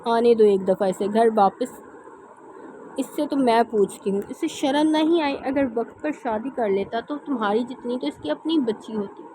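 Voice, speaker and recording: A woman voicing a fiery, blunt young woman who scolds in rapid outbursts. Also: high-pitched, noisy background, lightly acted. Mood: angry.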